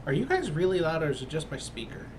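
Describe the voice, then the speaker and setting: A man's voice: fairly high pitch, sing-song, fast, slight background noise. A man acting as game master, chatting casually over an online voice call. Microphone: computer mic on an online call.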